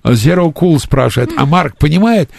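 A man's voice: on the high side, animated, moderate pace, vocal fry, no room sound, studio quality. A man hosting a radio interview, telling jokes and reading out listener questions. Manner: jokey, reads out listener questions. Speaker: radio host.

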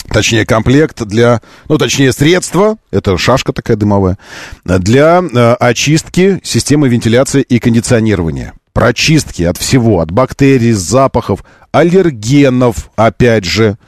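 A man hosting a live radio quiz show, chatting casually in a halting, self-correcting way with playful exasperation. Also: mid-range voice, lively intonation, a little mellow, no room sound, studio quality. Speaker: radio host.

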